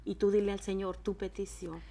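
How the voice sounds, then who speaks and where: A woman preaching on a Christian TV program, building to loud, emphatic pleas. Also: medium pitch, level tone, a little fast, gravelly. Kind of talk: impassioned sermon.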